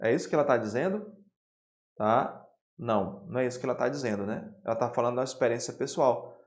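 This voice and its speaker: Male Brazilian teacher at a whiteboard, mid-pitched, explains and checks in with his students, roomy echo. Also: fast. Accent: Brazilian Portuguese. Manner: lively explaining, frequent "tá?" and "né?" checks. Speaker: Portuguese teacher. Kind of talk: exam-prep lesson, solving questions.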